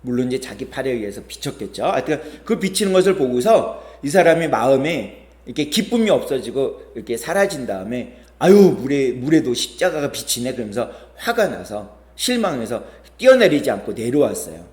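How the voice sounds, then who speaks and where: A man's voice: medium pitch, sing-song, fairly quick, few pauses, a little mellow, reverberant. A male pastor preaching a sermon, telling stories with quoted voices and rising, falling emphasis. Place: church sanctuary.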